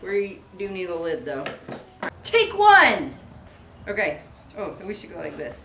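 A woman's voice: lowish voice, huge pitch swings, measured pace, a little hiss or hum. A woman chatting casually as she works on a build, as a homestead vlogger. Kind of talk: casual chat while building. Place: large open metal barn workshop. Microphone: camera a few steps away. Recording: echoey barn, loud tool clatter.

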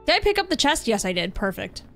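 A woman's voice: on the high side, fast talker, gravelly. Bubbly chatty young woman streamer. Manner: bubbly, chatty with viewers, excited outbursts. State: losing her voice. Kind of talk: casual gaming livestream chat. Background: soft background music.

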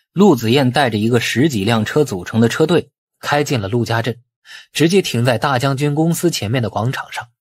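A man with a husky voice reading a scripted novel as an audiobook narrator. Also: medium pitch, dry recording, clean studio sound.

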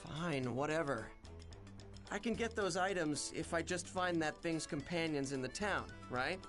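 A man's voice: a little high, expressive, unhurried, a bit bright, soft background music. A man playing a surly, impatient young hero in a video game dub, irritated and dismissive.

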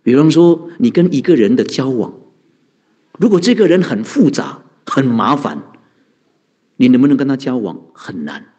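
A man's voice: mid-range voice, sing-song, normal speed, warm tone, breathy edge, lo-fi sound. A man, a Buddhist monk giving a conversational dharma talk, asking rhetorical questions and answering them, chuckling often. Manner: chuckles often, heavy use of sentence-end particles.

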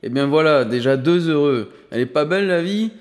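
Un homme qui prête sa voix à un vieil homme riche, enthousiaste et autoritaire, dans un livre audio, avec une longue réverbération. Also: male voice, on the high side, expressive, brisk, close to an everyday voice. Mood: jovial. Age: older. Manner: enthusiastic, emphatic, playful. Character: exuberant elderly rich grandfather, suddenly generous. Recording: long hall reverb.

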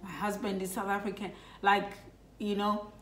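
A middle-aged woman from Lesotho shares a personal story with her children in a relaxed, reflective way, with many fillers, as part of her vlog's casual family chat. Her medium-pitched voice has a flat delivery and moderate pace. The room echoes, and faint music plays in the background.

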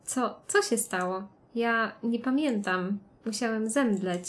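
A woman's voice: a little high, takes it slowly. A woman reading the lines of a young man who survived a plane crash in a game, in a plain read-aloud way. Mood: dazed.

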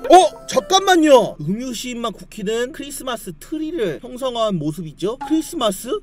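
A man's voice: very high-pitched, animated, normal speed. A man doing live game commentary as a streamer, theatrical and exclamatory, playfully addressing his viewers. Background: game music.

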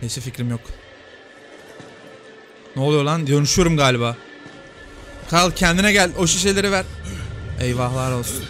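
Excitable man yelling over game music. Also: a little high, moderate pace, long pauses. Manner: excitable, yells at the screen. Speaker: gaming youtuber. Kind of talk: casual let's-play commentary. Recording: game music loud behind voice.

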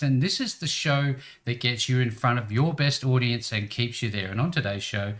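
A man's voice: mid-range voice, a bit bright. Australian male host, polished announcer read, upbeat. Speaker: podcast host. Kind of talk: radio-style show host.

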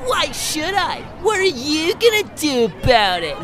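A woman voicing a mean young boy bully in a comic, loud and taunting. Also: high-pitched, very animated, a little slow, music in the background, a crowd in the background. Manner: jeering, shouty. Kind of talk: animated comic dub acting.

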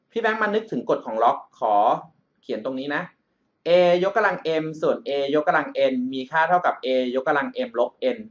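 Male tutor for screencast lessons, a bit high-pitched, friendly big-brother tone, slightly muffled recording. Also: a bit bright. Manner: calls himself by a big-brother nickname, checks in with the student often. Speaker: math tutor. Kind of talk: explaining exam problems over a whiteboard screencast. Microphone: voice-over on a screen recording.

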